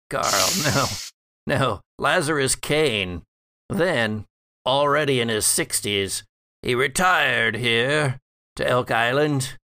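Man playing a slow, creaky, sardonic undead patriarch. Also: mid-range voice, sharp tone, no room sound, clean studio sound, full character voice. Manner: theatrical, drawling, chuckling between phrases. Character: sardonic undead patriarch, chuckling, relishing his family secrets. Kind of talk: in-character monologue in horror tabletop game.

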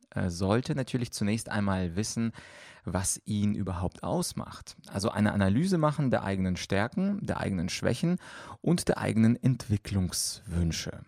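A man's voice: on the low side, vocal fry, a little mellow, no echo, studio quality. A man speaking as a coach, explaining at length with many fillers on a podcast answering listener questions.

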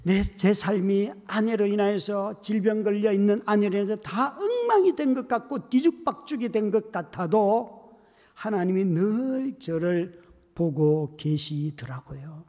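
A middle-aged male pastor preaching at a revival, dropping to hushed whispers and rising to loud pleading cries. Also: high voice, lively intonation, unhurried. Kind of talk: revival sermon. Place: church sanctuary. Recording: long hall reverb.

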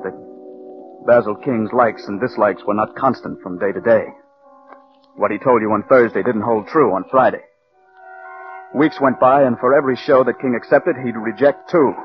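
A man's voice: mid-range voice, natural voice. An actor playing a driven, resentful male scriptwriter who narrates his own story in a 1940s radio drama. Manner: brooding first-person narration. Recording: dull old radio broadcast with music.

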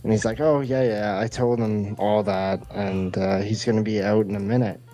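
A man's voice: on the low side, fairly even intonation, moderate pace, dark tone, soft background music. A man hosting a podcast, telling a rambling, casual comic story and acting out the dialogue. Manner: rambling, acts out quoted dialogue. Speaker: podcast host.

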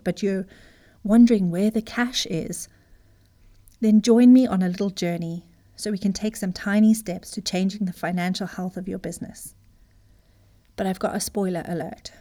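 Woman business coach from Zimbabwe, warm, dark tone, earnest and emphatic motivational delivery. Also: medium pitch. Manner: earnest, emphatic, direct address. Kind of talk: motivational talk.

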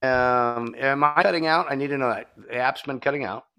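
A man's voice: mid-range voice, a little fast, sharp tone, smooth, no echo. A man hosting a casual live chat show, his audio choppy and cutting out with dropped words, talking loosely with fillers. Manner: loose, joking, sprinkled with fillers. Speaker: podcast host.

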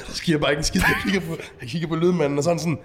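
A man telling stories in a casual podcast chat, animated and acting out shouted quotes. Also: fairly high pitch, in a large hall, a little hiss or hum. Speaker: event organizer.

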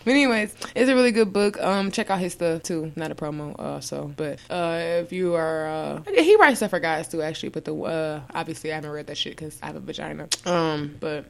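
Low gravelly young woman, loose and profane. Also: a little fast, few pauses. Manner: loose, profane, laughs often. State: slightly raspy after choking. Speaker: podcast co-host. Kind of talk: casual chat.

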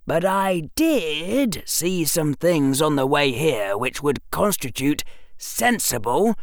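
A woman's voice: lowish voice, gravelly, no echo, clean studio sound, pitched above the performer's own voice, heavily acted. A woman voicing a clever, eager eleven-year-old boy who argues in an earnest, wheedling way. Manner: earnest, wheedling, lawyerly reasoning.

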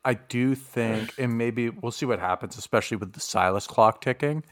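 A man with a medium-pitched voice serves as game master on a podcast, talking casually at a moderate pace. He rambles, leans heavily on fillers, and laughs often.

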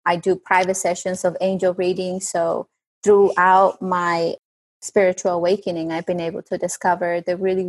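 A woman from Colombia with a Colombian Spanish accent, speaking as a guest coach in an earnest, hesitant way with fillers and restarts. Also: lowish voice. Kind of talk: casual interview talk.

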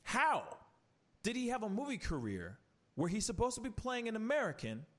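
Animated man ranting on a podcast. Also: sits high, normal speed. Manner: animated ranting, rhetorical questions, frequent restarts. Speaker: podcast host. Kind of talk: casual chat.

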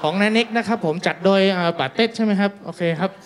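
A man's voice: high voice, fast talker. A man telling a crude, self-mocking stand-up story, acting out the dialogue. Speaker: stand-up comedian. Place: small live venue with audience.

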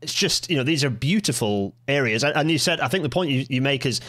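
A middle-aged man hosting a podcast, talking eagerly in quick bursts and restarting his sentences often. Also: medium pitch, lively intonation, a bit bright. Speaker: podcast host. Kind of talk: casual podcast conversation.

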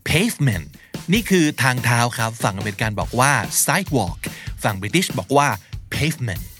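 A man hosting a podcast, reading an upbeat sponsor message and going through vocabulary word by word. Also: medium pitch. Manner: lively, upbeat, stretches out spelled words. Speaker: podcast host. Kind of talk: podcast ad read and vocabulary recap.

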